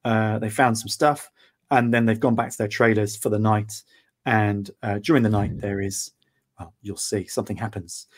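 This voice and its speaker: A British man with a low, husky voice chats easily as a podcast guest. He then reads his own fiction aloud at a steady, measured pace. His manner is self-deprecating. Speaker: guest author.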